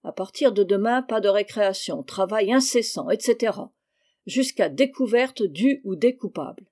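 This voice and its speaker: A woman's voice: mid-range voice, lively intonation, normal speed, darkish tone, lightly acted. A woman reading a cruel school director. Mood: severe. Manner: cold, pronouncing sentences. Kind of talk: audiobook reading.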